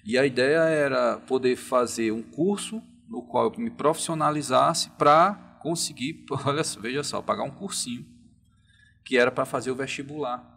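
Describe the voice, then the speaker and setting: A man's voice: mid-range voice, normal speed, creaky, fairly bright tone, slight background noise. A man, answering as a guest professor in a podcast interview, hesitant and tagging his sentences with questions. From Piauí, Brazil. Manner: hesitant, frequent tag questions.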